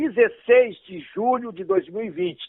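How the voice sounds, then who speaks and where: This man speaks at a high pitch with very wide pitch swings. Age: 60s. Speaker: jurist and law professor. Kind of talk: political interview. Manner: emphatic.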